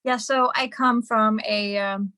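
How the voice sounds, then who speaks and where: A woman's voice: a little high, fairly even intonation, takes it slowly, bright, forceful tone, no room sound. A young woman from Hungary, a singer and musician, answering interview questions in a chatty way with many fillers and restarts over a video call.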